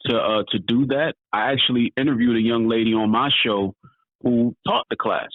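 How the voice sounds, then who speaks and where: A man's voice: medium pitch, normal speed, dry recording. A man in his thirties chatting casually as an interview guest. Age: 30s. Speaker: interview guest, author and entrepreneur. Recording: thin phone-like, band-limited line.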